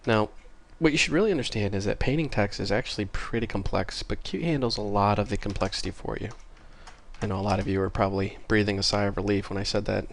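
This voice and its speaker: Here the tutorial host speaks fast in a lowish, gravelly voice with a steady tone, and slight background noise is audible. It's a screen-recorded coding session where he stays casual, says sorry, and self-corrects, his voice a bit stuffy after a cold.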